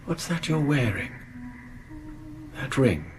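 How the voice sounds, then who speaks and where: Sardonic, exasperated husband for radio horror; mid-pitched, very expressive, slightly noisy recording. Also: male voice, takes it slowly. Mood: puzzled, uneasy. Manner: irritable, sardonic. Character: exasperated, sceptical, dismissive husband. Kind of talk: radio horror play acting.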